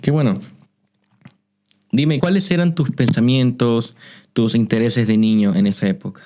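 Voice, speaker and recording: A man hosting a Christian interview, measured, often repeating his guest's words back. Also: medium pitch, fairly even intonation, warm tone. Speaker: host.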